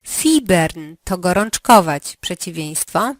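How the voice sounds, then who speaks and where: A woman running a language lesson, giving slow, carefully articulated prompts for the learner to answer. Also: fairly low pitch, animated, dry recording, clean studio sound. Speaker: language teacher.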